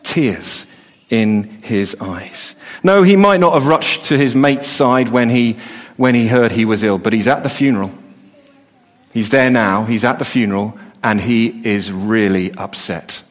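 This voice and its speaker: A man's voice: medium pitch, moderate pace. A middle-aged man preaching a sermon, earnest, often restarting and repeating words as he talks. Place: church hall. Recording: long reverb of a hall.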